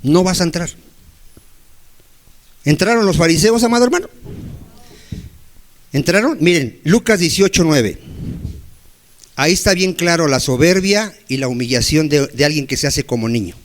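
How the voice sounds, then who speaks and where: A male pastor preaching a sermon to his church, firing rhetorical questions at the congregation and acting out pleading prayers in a slow, low voice. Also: animated. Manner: acts out pleading prayers, dropping low and slowing down.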